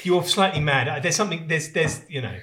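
A man co-hosting a podcast, chatting casually and teasing in quick banter. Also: a little high, sharp tone. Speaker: podcast co-host. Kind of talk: casual kitchen chat.

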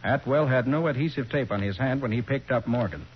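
An American actor playing a confident, sharp private detective in a 1940s radio crime drama, with an assertive, explanatory manner. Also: male voice, medium pitch, fairly quick, slightly rough, lightly acted. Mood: confident, accusing. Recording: dull 1940s radio recording.

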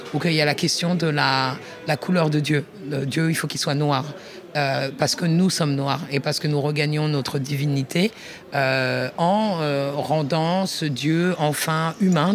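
Thoughtful French-speaking woman thinking aloud. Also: sits low. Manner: thinks aloud with many restarts, addresses the listener informally. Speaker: researcher speaking at a workshop. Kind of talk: reflective spoken talk.

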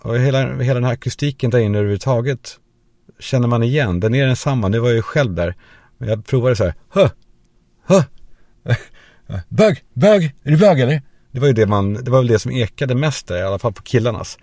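A man's voice: mid-range voice, a little mellow, no echo, clean studio sound. A man hosting a podcast, telling a rambling, crude comic story as a monologue and acting out the voices of the people in it. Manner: rambling, crude anecdotal humor; acts out quoted voices. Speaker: podcast host.

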